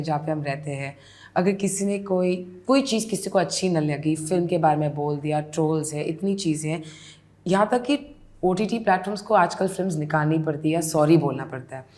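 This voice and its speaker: A woman's voice: low voice, moderate pace, mellow. A woman, interviewing in a polite, deferential conversational way.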